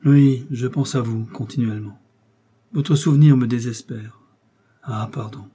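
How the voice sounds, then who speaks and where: A man doing a smooth, scheming seducer in an audiobook, pouring out melancholy declarations in a warm, husky voice. He sounds pleading and impassioned, pushing his lines a little higher and louder than a plain reading. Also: fairly even intonation, a little slow. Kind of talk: audiobook character voice.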